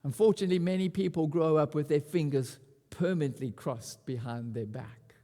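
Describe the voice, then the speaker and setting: A man preaching a sermon at a pulpit microphone, animated and often repeating words as he restarts. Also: fairly high pitch, moderate pace, long reverb tail. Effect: speaking at a pulpit microphone. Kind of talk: expository sermon.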